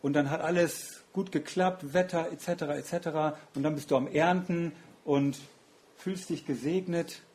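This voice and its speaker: A man's voice: on the high side, steady tone, moderate pace, darkish tone. A man preaching a sermon in an earnest, reflective way, often asking rhetorical questions.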